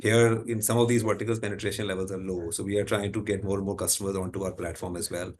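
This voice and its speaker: A man's voice: low voice, little pitch movement, quick pace, darkish tone. A man with an Indian accent giving unscripted executive answers on an earnings call, rephrasing as he explains and tagging points with "right?". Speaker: company executive answering analysts.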